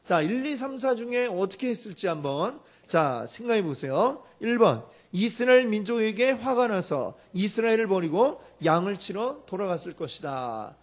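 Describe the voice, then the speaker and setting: A male pastor preaching a sermon, telling a story with lively acted-out quotes and asking the congregation questions. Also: sits high, moderate pace, hardly any pauses.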